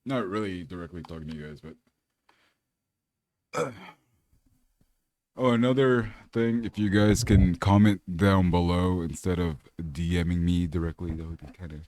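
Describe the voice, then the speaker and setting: Deep-voiced, rambling laid-back man. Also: a little slow, pauses often, darkish tone. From California. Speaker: fitness vlogger. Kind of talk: casual chat to camera.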